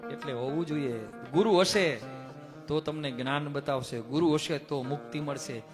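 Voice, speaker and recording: A man's voice: on the high side, normal speed. A man, leading a temple satsang in an earnest, homely storytelling style. He works village sayings and little fables into his sermon, with faint guitar heard behind him. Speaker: temple head giving a satsang.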